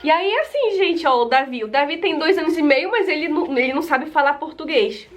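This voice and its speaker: A woman's voice: high voice, expressive, a little fast, faint music behind. A young woman from Brazil, chatting casually to the camera as a vlogger and often calling out to her viewers. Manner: chatty, repeats "gente" often.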